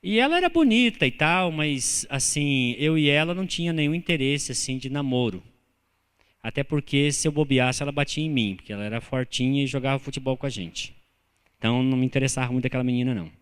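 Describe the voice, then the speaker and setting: A man with a Brazilian Portuguese accent preaching a sermon as pastor, telling humorous personal stories with animated delivery. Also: mid-range voice, fast, clean tone. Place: church sanctuary. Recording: church hall reverb.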